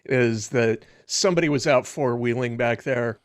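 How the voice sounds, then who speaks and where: A man's voice: medium pitch, normal speed. A man on a podcast panel, musing aloud in casual chat and repeating words as he thinks.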